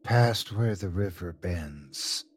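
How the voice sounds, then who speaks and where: A man's voice: low-pitched, animated, takes it slowly, breathy edge, pitched below the performer's own voice, exaggerated voice. A man voicing a sickly, terrified, half-mad bearded man who pleads and chants in a storybook narration. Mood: weak, slow. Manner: pleading, crying out, chanting repetitively.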